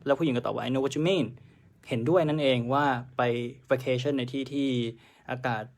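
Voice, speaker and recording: A male test-prep teacher talks through answers in a chatty live lesson, dropping English terms into his explanations. His voice has a gravelly edge at an everyday pitch. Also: fairly even intonation, brisk.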